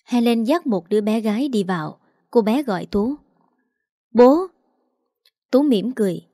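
A woman reading a dramatic story aloud, narrating in a steady scripted style and voicing every character herself. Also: fairly high pitch, a little fast, no room sound, studio quality.

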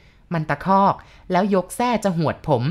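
Woman narrator, audiobook ghost story, somewhat low voice, steady even storytelling. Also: normal speed. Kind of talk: audiobook reading of a first-person ghost story.

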